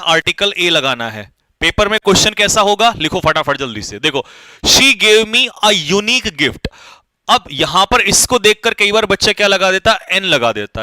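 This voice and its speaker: A man teaches an online English grammar lesson, pushing his students to hurry. His voice is high and bright, and he keeps asking questions and answering them himself. The sound is dry and close to the mic. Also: no room sound. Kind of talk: online exam-prep lesson.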